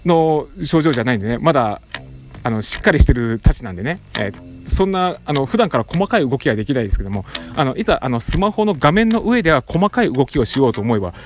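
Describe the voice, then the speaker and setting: A middle-aged man casually telling a story as a podcast host, animated, with playful sound effects and rough casual phrasing. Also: medium pitch, quick pace.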